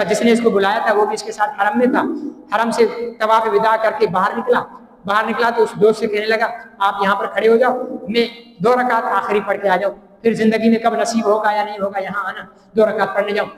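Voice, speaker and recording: A man's voice: high voice, flat delivery. A man with a Pakistani accent preaching a sermon, telling a story and asking the crowd rhetorical questions. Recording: echoey hall with long reverb.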